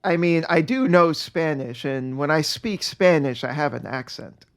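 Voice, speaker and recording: A man with a somewhat high voice co-hosts a loose podcast conversation. He talks in an animated way, stumbles over restarts and breaks into laughs easily. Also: measured pace. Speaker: podcast co-host. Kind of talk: casual chat.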